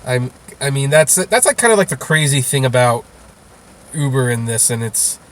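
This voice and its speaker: A man being interviewed, talking casually and explaining things in a halting way with repeated words. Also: mid-range voice, lively intonation, a bit bright. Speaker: interview guest, rideshare video creator.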